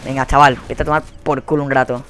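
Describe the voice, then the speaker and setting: A young man with a Spanish accent commentating his own shooter gameplay, swearing a lot and quick to burst into angry shouts. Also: mid-range voice, flat delivery, a little hiss or hum. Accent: Spanish from Spain. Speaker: gaming commentator. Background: faint gunfire from the game.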